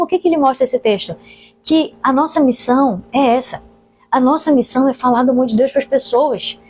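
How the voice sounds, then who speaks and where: A woman's voice: high-pitched, a little mellow. A woman pastor with a Brazilian Portuguese accent, sharing an earnest preaching testimony and speaking directly to her listeners.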